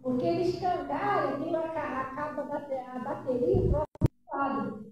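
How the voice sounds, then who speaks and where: A woman's voice: high-pitched, moderate pace, dull audio. An older woman pastor giving a conversational sermon, often asking the congregation questions. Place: church hall. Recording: echoey hall, distant mic, noisy.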